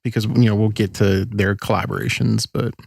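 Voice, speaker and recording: A man's voice: fairly low pitch, steady tone, a little fast, gravelly, a little mellow, breathy edge, dry recording, studio quality. A man co-hosting a podcast in casual chat, hesitant and full of ums and self-corrections. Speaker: podcast co-host.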